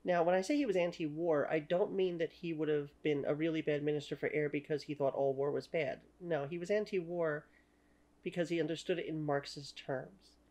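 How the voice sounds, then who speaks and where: A woman's voice: sits low, fairly even intonation, a little fast, dark tone. Opinionated Canadian woman lecturing on history. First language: French. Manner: opinionated, many "you know" fillers. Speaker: history channel host. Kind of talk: talking-head history lecture. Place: small room at home.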